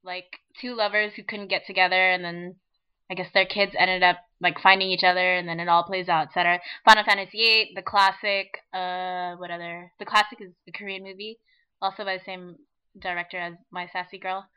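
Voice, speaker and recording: A woman's voice: on the low side, level tone, brisk, clear, resonant tone, lo-fi sound. A woman hosting a casual online fan chat, rambling and laughing often as she talks. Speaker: podcast host.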